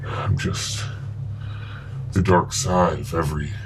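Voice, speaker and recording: A man voicing a nameless, menacing cloaked male sorcerer in a tabletop game, slow and ominous. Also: low-pitched, fairly even intonation, background noise, voice pushed down.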